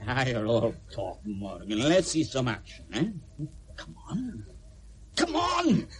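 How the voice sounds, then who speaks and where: An actor playing a bitter, threatening young miner with a snarling manner. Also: male voice, mid-range voice, big pitch swings, unhurried, background noise. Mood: taunting.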